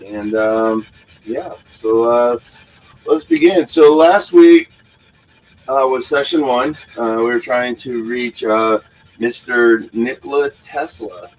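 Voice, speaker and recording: A man from the United States hosting a paranormal livestream, talking casually and off the cuff in a halting way with frequent pauses and filler sounds. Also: mid-range voice, poor audio. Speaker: host of a paranormal investigation livestream. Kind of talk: casual unscripted livestream talk.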